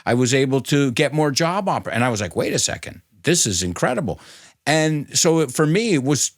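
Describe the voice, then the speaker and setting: Man, middle-aged, from the United States, bilingual, lively chatter with fillers, dry recording. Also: a little high, brisk, no echo. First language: bilingual English and Spanish. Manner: animated, chatty, laughs often, many fillers. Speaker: ESL educator and podcast host, guest. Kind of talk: casual interview talk.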